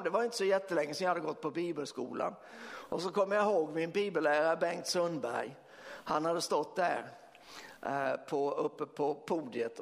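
Man, pastor, sermon storytelling, lively and chatty, higher voice, long church reverb. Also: creaky. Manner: lively storytelling with fillers and laughs. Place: church hall.

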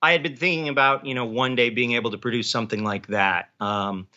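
A man's voice: medium pitch, steady tone, fairly quick, pushed and bright, dull audio. A man talking casually as an author being interviewed about his work.

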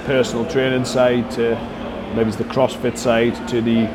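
A man's voice: mid-range voice, flat delivery, moderate pace, a crowd in the background. A man speaking as a performance coach in an interview, explaining things conversationally and circling back with frequent "you know".

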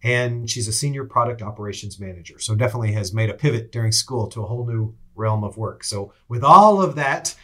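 A man's voice: mid-range voice, brisk, few pauses, a bit bright. A middle-aged man, an assistant dean, hosting and introducing a guest on a university interview podcast, speaking enthusiastically with frequent fillers.

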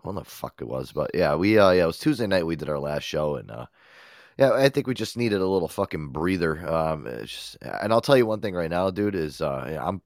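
Brief: very low-voiced male radio host with a head cold, rambling and swearing, dry sound. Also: very animated, a little fast, no echo. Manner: swears often, laid-back rambling. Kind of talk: casual profane chat.

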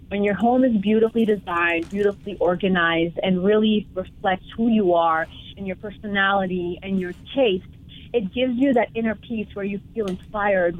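A woman from Congo, a home decor creator, talking earnestly and from the heart as a guest in a casual interview. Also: mid-range voice. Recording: tinny phone-like line, dry.

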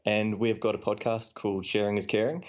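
New Zealand man, lowish voice, dull lo-fi recording, dry casual podcast guest. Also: little pitch movement, fairly quick, a little mellow. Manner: dry, joking, explanatory. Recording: dull lo-fi audio.

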